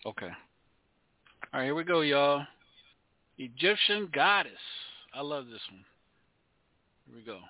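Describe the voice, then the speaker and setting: A man hosts a call-in radio show in a loose, laughing way. His voice sits a little high and sounds dry and thin, as if over a phone line. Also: sing-song, unhurried, long pauses, no room sound. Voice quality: laughs often, friendly and loose. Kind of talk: casual call-in radio chat.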